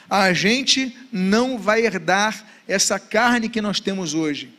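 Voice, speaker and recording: High-voiced man teaching the Bible. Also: a bit bright. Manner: reads scripture aloud, asks rhetorical questions. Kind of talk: Bible study lecture.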